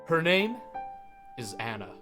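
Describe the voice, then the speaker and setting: A young man streaming a visual novel, reading the text aloud and joking about it in an animated way. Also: fairly high pitch, measured pace. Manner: animated, jokey, reads game text aloud. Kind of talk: game playthrough, reading aloud and commenting. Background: faint piano game music.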